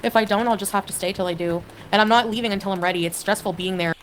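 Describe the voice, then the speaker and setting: A woman's voice: medium pitch, rapid-fire, slight background noise, rough recording. A woman from Canada chatting on a livestream, hesitant and rambling, with lots of fillers as she reads viewers' comments. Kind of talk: casual livestream chat.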